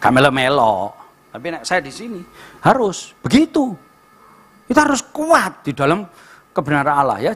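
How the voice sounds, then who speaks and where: Animated East Javanese preacher, high voice. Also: male voice. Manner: joking, blunt preaching with rhetorical "right?" asides. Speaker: pastor. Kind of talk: sermon.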